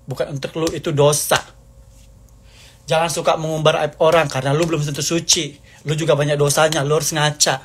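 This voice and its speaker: A man's voice: a little high, flat delivery, a little fast, background noise. A man delivering an angry, accusing rant to the camera, hammering the same points over and over. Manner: heated, accusing, repetitive.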